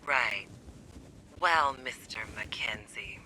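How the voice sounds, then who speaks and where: A man's voice: mid-range voice, expressive, slow, bright, forceful tone, a little hiss or hum, heavily acted, poor audio. An actor playing a defiant, suspicious man in hiding in a video game, taunting and sardonic.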